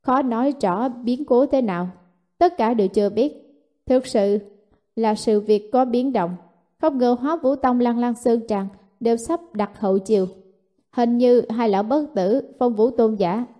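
A woman voicing an aged male elder in blue robes who speaks in a slow, measured murmur. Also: a little high, warm tone, close to an everyday voice. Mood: grave.

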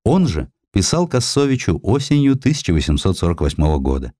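A man reading a literary historical narrative aloud in an expressive, scripted storytelling style. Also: sits low, fairly quick, no room sound, clean studio sound. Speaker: audiobook narrator. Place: dry studio.

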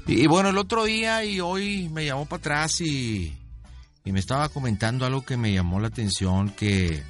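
A man's voice: mid-range voice, animated, moderate pace, a bit bright, soft background music, close to an everyday voice. A man with a Mexican accent playing a slangy, pushy used-car dealer on a prank phone call. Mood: friendly prying. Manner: chummy, slangy, pushy questioning. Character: smooth-talking male used-car dealer, adult.

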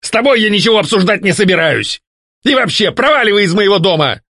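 A man's voice: on the high side, expressive, normal speed, creaky, no echo, voice pushed up, heavily acted. A jealous, hot-headed ghost of a husband, voiced by a man reading a story. He rants and begs in a raised voice that swings wildly up and down. The recording is dry and close. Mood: angry. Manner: shouting, petulant, pleading. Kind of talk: audiobook character voicing.

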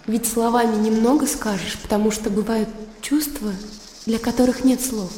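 A woman's voice: on the high side, fairly even intonation, moderate pace, dark tone, a little hiss or hum, natural voice. An actress playing an earnest, dreamy young woman in a radio drama. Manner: earnest, pensive, lightly playful. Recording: roomy studio reverb with background sound.

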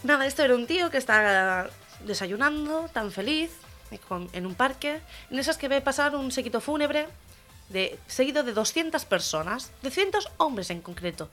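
Lively woman telling jokes on radio. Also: high voice, normal speed, faint music behind. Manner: lively joke-telling, acts out the characters' voices. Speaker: radio show co-host.

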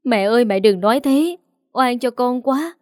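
A woman's voice: on the high side, expressive, moderate pace, darkish tone, dry recording, clean studio sound, voice pushed up, close to an everyday voice. A woman voicing a tearful, wronged daughter-in-law with a plaintive, pleading manner.

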